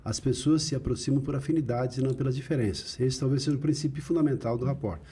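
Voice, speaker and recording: Raspy, dark-voiced male interviewer. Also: medium pitch, quick pace. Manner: affirming, frequent agreeing interjections. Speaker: interview host. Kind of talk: casual interview chat.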